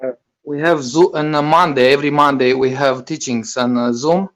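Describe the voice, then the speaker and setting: A man from Romania calling in, who speaks hesitantly and fills his pauses with "uh". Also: medium pitch, steady tone. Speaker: caller. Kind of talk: casual call-in talk.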